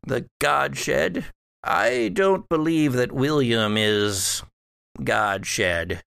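A man playing a wry, scheming, scholarly old ancestor back from death in a tabletop horror game, speaking haltingly and formally. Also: medium pitch, expressive, gravelly, a bit bright, clean tone, no echo, clean studio sound, exaggerated voice. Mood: pondering, scheming. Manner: halting, deliberate, formal phrasing. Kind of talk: improvised tabletop horror roleplay.

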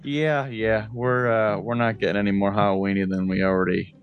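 Deep voiced guy on a podcast, wry, sweary, just chatting, faint music behind. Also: little pitch movement, a little fast, muffled recording. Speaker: podcast co-host. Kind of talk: casual chat.

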